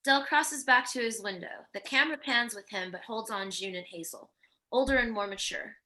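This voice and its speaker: A woman's voice: fairly high pitch, normal speed, pushed and bright, low-quality recording. A woman reading screen directions as scripted narration in a virtual table read. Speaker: stage directions reader.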